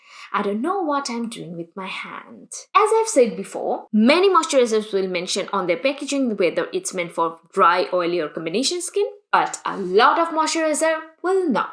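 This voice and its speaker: A woman's high-pitched voice with very wide pitch swings and big swings in loudness. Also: moderate pace. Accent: non-native. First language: not English. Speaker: skincare YouTuber. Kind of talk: tutorial. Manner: casual, lightly humorous explanation.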